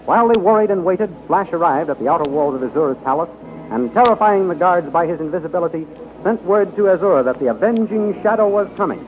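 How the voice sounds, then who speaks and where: A male announcer narrates a 1930s adventure serial with formal, dramatic emphasis. His voice is high for a man, on a dull vintage recording with faint music behind. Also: lively intonation, fast.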